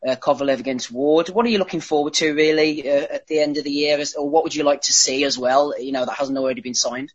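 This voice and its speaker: A man hosting a casual call-in interview with a chatty, jokey manner, over low-fidelity call audio. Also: steady tone, quick pace, few pauses, muffled recording. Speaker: podcast host.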